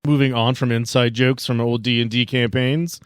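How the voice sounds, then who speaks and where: A man narrating as game master for his friends in a relaxed, loose way, with plenty of asides. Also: mid-range voice, normal speed, clean tone, no room sound, studio quality.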